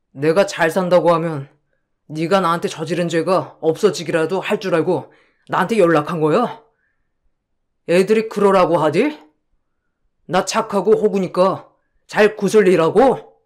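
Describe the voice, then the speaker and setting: A betrayed, soft-hearted husband, as a man plays him in an audio drama, speaking in a fairly high voice for a man. His tone is bitter and reproachful. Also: measured pace, pauses often.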